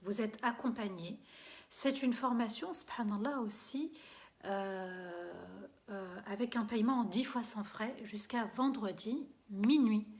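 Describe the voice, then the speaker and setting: A woman religious teacher answers viewer questions live, in a mid-pitched voice. She is hesitant, with many fillers and restarts. Her phrases often trail away softly. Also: measured pace.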